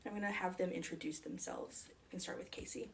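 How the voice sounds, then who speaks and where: A woman's voice: on the low side, fairly even intonation, fast talker, creaky, a little hiss or hum. Woman librarian conducting an interview. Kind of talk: oral history interview.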